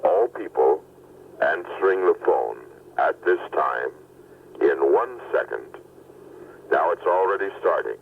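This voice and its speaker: A man playing a solemn harbor patrol captain making a slow, formal announcement, heard on an old worn answering-machine tape. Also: very deep voice, lively intonation, gravelly, phone-quality sound, a little hiss or hum, full character voice. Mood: grave.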